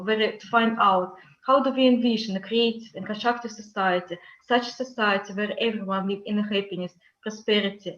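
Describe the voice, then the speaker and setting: A woman co-hosting an interview, introducing the guest with hesitant, stumbling phrasing on a video call. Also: medium pitch. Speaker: co-host. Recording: roomy muffled lo-fi audio.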